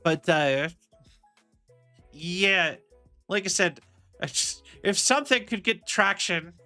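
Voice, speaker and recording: Bright, clear-voiced rambling young man. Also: high voice, animated, slow, soft background music. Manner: rambling, repeats "like I said". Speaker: VTuber streamer. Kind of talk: casual stream chat.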